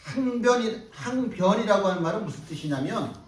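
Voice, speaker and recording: Emphatic high-voiced male pastor, echoey church. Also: expressive, fairly quick. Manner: emphatic, rhetorical questions, repeats phrases for stress. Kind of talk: sermon. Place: church sanctuary. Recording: echoey hall, mic at a distance.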